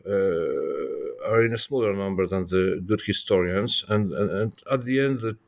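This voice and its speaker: A middle-aged man with a low, gravelly voice gives considered interview answers. He is not a native English speaker, and he feels his way haltingly through sentences, repeating small words. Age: 50s. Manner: halting, searching for words with frequent repetitions. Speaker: historian and author interviewed.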